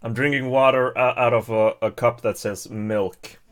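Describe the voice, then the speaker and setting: A man from Sweden, chatting casually and haltingly on his live stream, chuckling between many fillers. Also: medium pitch, steady tone. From Stockholm, Sweden. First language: Swedish. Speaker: YouTuber hosting a live stream. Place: home setup at a table.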